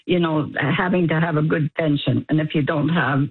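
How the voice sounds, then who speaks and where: A woman's voice: low voice, fairly even intonation, normal speed, slightly rough, dry recording. A woman in her eighties calling in to a radio show, cheerful and laughing as she talks. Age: 80s. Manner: cheerful, laughs while talking. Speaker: caller. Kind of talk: phone-in call to a radio show. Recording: tinny phone line.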